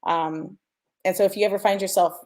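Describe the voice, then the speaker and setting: Here a woman with a medium-pitched, steady, somewhat dark voice talks briskly about sound design. It's relaxed, chatty mixing advice, delivered as she thinks aloud and stresses the important parts.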